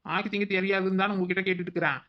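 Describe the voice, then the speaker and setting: Cheeky whiny daughter-in-law voiced by a woman, quick talker, kinda dull lo-fi sound, cartoon. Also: medium pitch, fairly even intonation, close to an everyday voice. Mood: whining. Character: young daughter-in-law, cheeky, greedy for good food. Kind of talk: cartoon voice acting.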